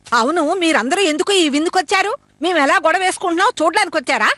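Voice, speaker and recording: A woman voicing a sharp-tongued older stone-age wife in a Telugu-dubbed cartoon, scolding and haughty. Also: very high voice, expressive, racing, dry recording. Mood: indignant scolding.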